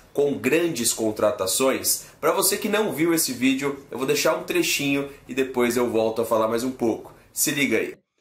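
A man at medium pitch talks at a fairly slow pace with ordinary pitch variation, and the room echo is audible. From Brazil. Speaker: YouTube football commentator. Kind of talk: casual live-stream commentary. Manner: animated. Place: home room.

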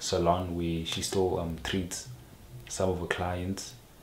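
Over noticeable background noise, a man talks in a very deep, low voice with monotone, flat intonation. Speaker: vlogger introducing an interview. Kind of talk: casual vlog chat. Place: home room. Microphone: phone near.

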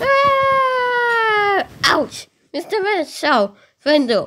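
A put-on character voice is shouted at an extremely high pitch. The delivery is very slow. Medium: dub.

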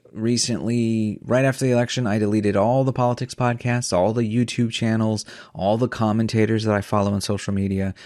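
A man speaks at a fairly low pitch with fairly even intonation. The background is quiet. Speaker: podcast host. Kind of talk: casual chat. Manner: halting, many filler words. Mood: earnest, reflective. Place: home room.

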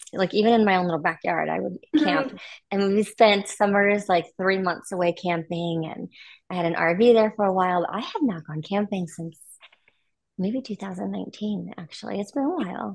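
With an American accent, a woman talks at a moderate pace and ordinary pitch variation. Her loudness swings widely. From US Midwest. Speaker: adult film performer; podcast guest. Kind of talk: casual chat. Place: home room. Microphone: video call.

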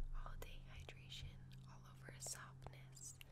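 A woman talks very slowly while loud background noise fills the recording. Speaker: ASMR creator. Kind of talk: ASMR roleplay, personal attention. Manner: soft-spoken. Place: home room. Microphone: studio mic.

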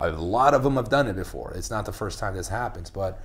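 His voice has a somewhat breathy quality. The man keeps up a fairly quick pace. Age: 30s. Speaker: jiu-jitsu world champion and podcast co-host. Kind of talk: casual chat.

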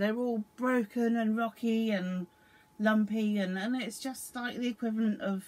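A woman talks with fairly even intonation, keeping to a moderate pace. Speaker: travel vlogger. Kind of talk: casual vlog chat. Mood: cheerful, amused. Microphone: phone near.

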